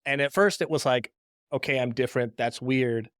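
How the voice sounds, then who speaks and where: A man's voice: mid-range voice, fairly even intonation, normal speed, clean tone, no room sound, studio quality. A young man from Pakistan, a native Urdu speaker, chatting casually as a podcast guest with lots of fillers and restarts. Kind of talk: casual interview chat.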